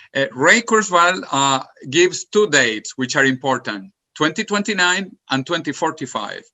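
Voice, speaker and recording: At a moderate pace, a man with a fairly high pitch swings his voice very widely up and down. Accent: Spanish. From Venezuela. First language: Spanish. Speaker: futurist and author. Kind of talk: interview.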